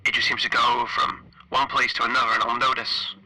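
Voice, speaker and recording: A man playing an anxious, isolated spaceship engineer recording log entries, halting and stammering, his phrases trailing off breathily. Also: mid-range voice, little pitch movement, bright, forceful tone, slight background noise, poor audio. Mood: nervous, reflective. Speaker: player of a solo tabletop horror game. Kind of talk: in-character audio log, dramatic monologue.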